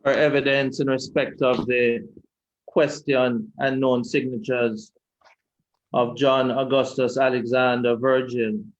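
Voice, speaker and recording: Deliberate Jamaican lawyer cross-examining. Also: male voice, medium pitch, level tone, highs cut off. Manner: measured, deliberate, repetitive questioning. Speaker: lawyer questioning a witness. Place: inquiry hearing room.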